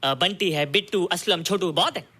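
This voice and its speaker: A man's voice: high voice, normal speed, sharp tone. An actor playing a grown man with a child's mind, talking in a simple, boyish and innocent way, in film dialogue. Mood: playful.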